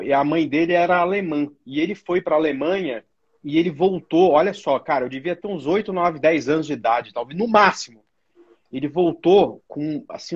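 A man's voice: a little high, husky, dull audio. A man in his forties hosting a casual interview, chatty and friendly, with frequent filler tags. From Brazil. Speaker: live stream host.

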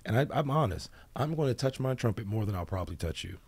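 A man's voice: mid-range voice, animated, quick pace, husky. A man in his forties, a podcast guest talking frankly and with animation in casual chat. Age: 40s.

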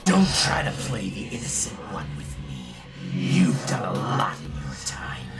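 A man's voice: sits low, huge pitch swings, unhurried, heavily acted. A man doing a gloating villain engine. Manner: gloating, sneering, whispered menace. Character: sadistic male villain train engine, gloating. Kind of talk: fan audio drama. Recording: loud music behind.

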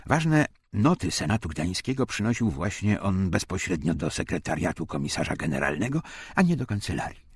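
A man reading a wartime memoir as an audiobook narrator, in a husky, gravelly voice. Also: deep voice, very animated, fairly quick, no room sound.

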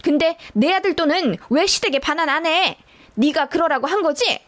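A woman's voice: high voice, lively intonation, moderate pace, a bit bright, pitched above the performer's own voice. A woman voicing a domineering middle-aged mother-in-law who scolds and accuses. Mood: accusing.

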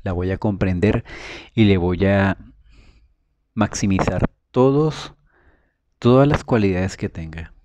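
A man's voice: sits low, slow, pauses often, darkish tone. A man talking casually to viewers about his autistic child, earnest and rambling, often repeating and restarting words. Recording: noisy home recording.

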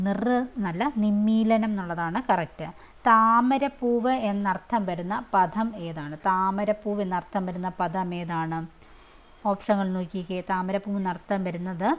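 A woman teaching, going through exam questions one by one and repeating each question and answer in a conversational way. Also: medium pitch. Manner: fillers and restarts, conversational.

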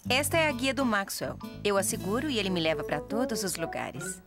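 A woman with a Brazilian accent playing a gentle, patient grown woman explaining things to a child in a cartoon dub. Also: mid-range voice, animated, a little fast, lightly acted. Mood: kind, patient. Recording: music behind the voice.

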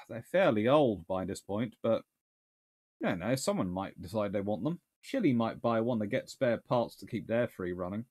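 The naval historian's lowish, darkish voice has lively intonation and a moderate pace. He takes viewer questions in an informal livestream from a small home study lined with books, musing aloud and correcting himself along the way.

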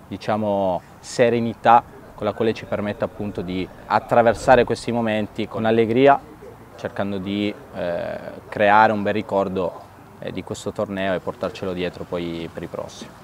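A man in his thirties, a youth football coach, gives a measured interview outdoors at night and pauses often to think. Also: lowish voice, steady tone, slight background noise. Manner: measured, thoughtful, with filler pauses. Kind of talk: sit-down interview.

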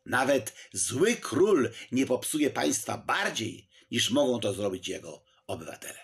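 Male reader doing a fiery nobleman, emphatic, lively pitch, gravelly. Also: measured pace, full character voice. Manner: emphatic, pleading. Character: fiery loyal nobleman protesting.

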